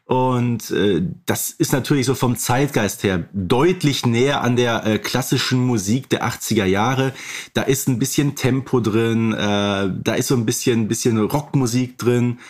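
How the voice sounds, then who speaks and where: A man's voice: mid-range voice, unhurried. A man co-hosting a podcast, talking casually and conversationally as a fan. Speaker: podcast co-host.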